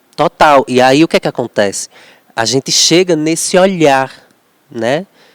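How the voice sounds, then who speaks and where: A man with a Cearense accent speaks at a fairly slow pace and fairly high pitch with ordinary pitch variation, in a dry, close sound with no echo. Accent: Cearense (Brazilian northeastern) Portuguese. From Juazeiro do Norte, Ceará, Brazil. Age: 20s. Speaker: actor and production director. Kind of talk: casual chat.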